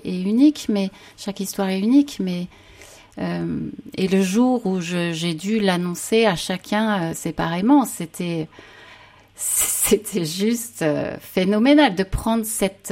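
A woman's voice: mid-range voice, a little mellow. A woman, a mother, speaking earnestly about faith and suffering as a panel guest, reflective and often trailing off. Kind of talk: personal faith testimony in conversation.

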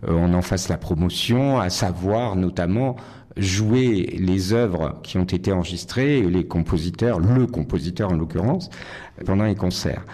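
Low warm-voiced guy from nice, pianist in an interview, pauses a lot, restarts sentences. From Nice, France. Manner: thoughtful, hesitant, many fillers and restarts. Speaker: concert pianist. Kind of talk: interview answers.

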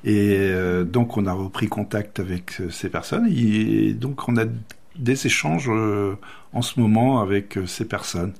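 A man's voice: lowish voice, unhurried, creaky, a little mellow. A man, an association's president, speaking enthusiastically as a radio guest. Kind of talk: radio interview.

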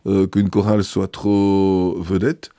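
A man with a low, mellow voice answers interview questions as a bishop. He speaks in a measured, hesitant way, full of fillers and restarts. The recording is dry and close. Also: little pitch movement, no room sound.

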